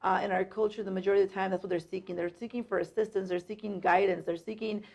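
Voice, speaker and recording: A woman's voice: medium pitch, steady tone, quick pace, creaky, darkish tone, highs cut off. A woman from San Jose, California, a mortgage loan officer co-hosting a casual podcast, speaking in a friendly, earnest way. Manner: friendly, earnest, uses "um" often.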